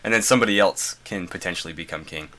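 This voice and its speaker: Low, congested man reading game notes. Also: quick pace, sharp tone. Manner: reads passages then adds loose asides with fillers. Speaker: gaming video host. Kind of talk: reading and commenting on a game design journal.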